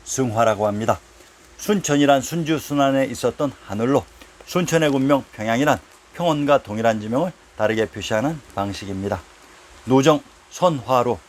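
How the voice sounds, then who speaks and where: A man giving scripted narration for a history lecture series, reading out headings and citations in a measured, recited way. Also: mid-range voice, a little hiss or hum.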